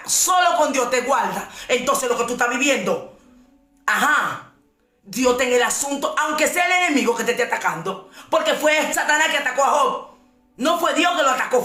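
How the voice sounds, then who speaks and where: Woman preacher, impassioned shouting sermon, bright sharp voice, echoey room. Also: on the high side. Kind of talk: fiery sermon.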